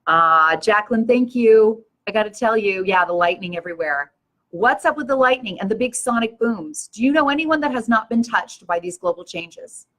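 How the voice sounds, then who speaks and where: A woman's voice: a little high, lively intonation, moderate pace, a bit bright. Impassioned older woman hosting a stream. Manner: earnest, impassioned, preachy. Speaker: show host. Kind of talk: live-stream talk to viewers.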